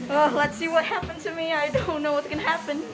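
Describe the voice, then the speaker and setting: Clear background music behind a female speaker. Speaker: visitor vlogger. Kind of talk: casual vlog chat. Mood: excited, dizzy, laughing. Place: hall. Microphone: phone near.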